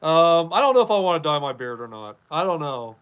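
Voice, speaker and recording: A man's voice: on the high side, big pitch swings, brisk, fairly bright tone, clean tone. A man in his fifties from Wyoming, hosting a casual live podcast, rambling and chatting as he reads viewer comments. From Wyoming, USA. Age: 50s. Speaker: podcast host. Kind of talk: casual live-stream chat.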